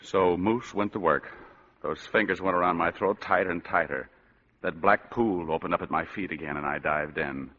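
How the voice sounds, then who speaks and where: A man's voice: low-pitched, moderate pace. A man narrating and playing a hard-boiled detective in 1940s radio style, wisecracking and tough. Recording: dull old radio recording, long reverb, faint music.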